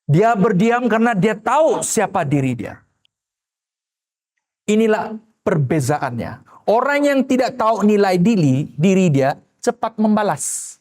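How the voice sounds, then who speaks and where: A male pastor delivers a sermon in an unusually high voice. He preaches with animation and tosses rhetorical questions at the congregation. He also slips into the voices of the people he quotes. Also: very animated, unhurried, darkish tone.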